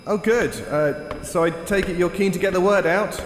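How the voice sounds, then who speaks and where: A man's voice: sits high, normal speed, natural voice. An actor playing a polite, nervous, hesitant male interviewer in a horror audio drama. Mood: uneasy politeness. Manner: hesitant, stammering, awkward. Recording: echoey hall with faint noise.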